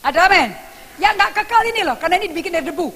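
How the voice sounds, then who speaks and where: A woman pastor, preaching a sermon and telling a story in an animated way, acting out what people said. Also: very high-pitched, very fast. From Indonesia. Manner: animated storytelling with acted quotes. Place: church. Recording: long reverb church hall with faint hiss.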